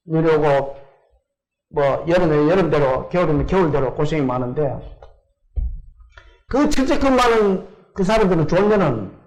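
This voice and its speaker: A man's voice: high voice, low-quality recording. An older man from South Korea, preaching a sermon in church and putting questions to his congregation. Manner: asks the congregation questions and answers them himself. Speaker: pastor.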